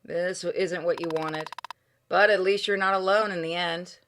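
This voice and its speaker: A woman hosting a gaming playthrough, switching between casual chat and expressive, theatrical read-aloud of the story text. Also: on the low side, moderate pace, a little hiss or hum. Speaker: gaming video host reading game text aloud. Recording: music playing behind the voice.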